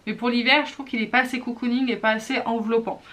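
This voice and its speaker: A woman's voice: on the high side, steady tone, fast talker, fairly bright tone. A woman in her thirties chatting casually about beauty products in a vlog, teasing herself, with lots of fillers and restarts. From France. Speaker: beauty vlogger.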